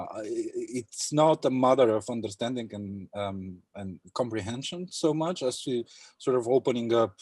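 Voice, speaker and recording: A low-voiced young man from Bulgaria thinks aloud in a panel discussion, hesitating often and filling his pauses. His voice is dry and close, heard over a video call. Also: darkish tone, dry recording. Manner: thoughtful, hesitant with many fillers. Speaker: panel speaker. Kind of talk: academic round-table discussion.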